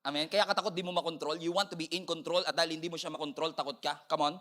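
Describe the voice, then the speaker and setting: A man with a Filipino accent preaching an animated sermon as pastor, mixing in English and calling for amens. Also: a little high, rapid-fire.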